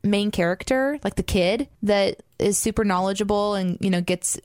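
A woman co-hosting a casual podcast with a high voice, playful and self-deprecating. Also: normal speed, a little mellow, no room sound, studio quality. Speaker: podcast co-host, writer.

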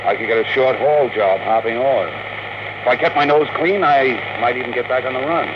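A noisy old radio recording carries a disillusioned rocket captain acted by a man. He is terse and wary, talking bluntly and informally in a medium male pitch. The delivery is classic 1950s radio drama. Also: moderate pace, lightly acted. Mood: defensive.

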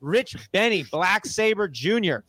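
High-voiced upbeat podcast host, dry sound. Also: male voice, dry recording. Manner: energetic, rattles off lists quickly. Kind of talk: upbeat casual podcast talk.

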